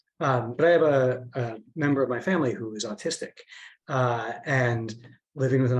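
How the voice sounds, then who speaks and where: At a moderate pace, somewhat breathy speech unfolds. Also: man. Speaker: film club moderator. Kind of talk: online group discussion. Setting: video call.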